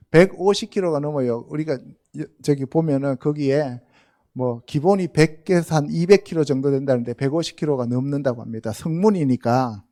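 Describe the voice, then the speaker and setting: In a church sanctuary, a pastor preaches a Sunday sermon in a warm, slightly high voice. He often poses rhetorical questions to the congregation and calls on them directly.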